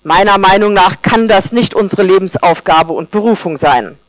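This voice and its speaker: A woman's voice: mid-range voice, moderate pace, no echo, close to an everyday voice. A woman voicing a grumbling, skeptical salt grain. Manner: complaining.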